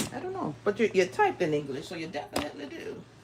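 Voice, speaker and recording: Noticeable background noise sits behind a woman with an American accent talking at a fairly quick pace. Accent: New York accent with some Guyanese. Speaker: crafter. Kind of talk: live stream craft tutorial. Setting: live stream. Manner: casual, chatty.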